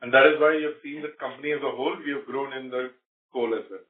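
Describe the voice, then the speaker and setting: A male company executive speaking haltingly on an earnings call, leaning on repeated filler phrases. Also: medium pitch, fairly even intonation. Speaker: company executive answering analysts. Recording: roomy, distant phone-like conference line.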